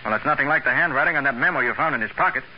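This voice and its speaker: An American man playing a sharp, confident private detective in 1940s radio crime drama style, brisk and assured. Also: medium pitch, close to an everyday voice. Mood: probing, skeptical. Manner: brisk, assured, probing questions. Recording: dull, noisy old radio recording.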